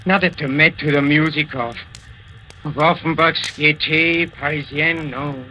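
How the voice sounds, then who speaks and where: A man's voice: a little high, measured pace, sharp tone, slight background noise, low-quality recording. An actor playing a desperate abandoned man who calls out and pleads in a 1940s radio drama, on an old recording. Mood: wistful. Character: despairing man abandoned, begging his friend to return.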